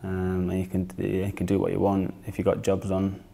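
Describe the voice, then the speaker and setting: Low, flat-voiced northern English young man. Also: moderate pace, vocal fry. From northern England. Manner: hesitant, many fillers and restarts. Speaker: football player. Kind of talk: casual interview answers. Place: small studio, indoors.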